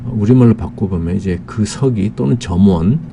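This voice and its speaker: Low gravelly man explaining slowly. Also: background noise. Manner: slow and explanatory, with many filler sounds, reads English examples slowly. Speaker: English teacher. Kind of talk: recorded grammar lesson.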